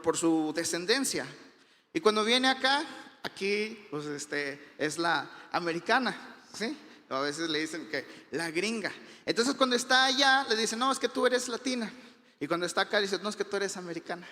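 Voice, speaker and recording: Bright-voiced Mexican preacher in a hall. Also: male voice, high-pitched. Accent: Mexican Spanish. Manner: conversational, many fillers and restarts. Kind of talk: sermon. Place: church hall.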